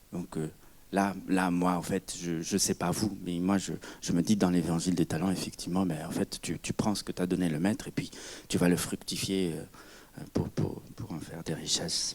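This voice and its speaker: A man's voice, very deep and low in pitch, keeps a fairly even intonation. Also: moderate pace. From Spain. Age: 40s. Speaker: psychologist. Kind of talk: lecture. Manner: halting, many repetitions and fillers.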